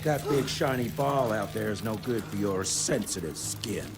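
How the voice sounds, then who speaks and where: Actor as a low-voiced, sarcastic old cowboy hunter. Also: male voice, normal speed, natural voice. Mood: gruff sarcasm. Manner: folksy, crude, sardonic. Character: gruff, foul-mouthed, sarcastic retired cowboy monster hunter. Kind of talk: cinematic video game voice acting. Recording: loud music behind the voice.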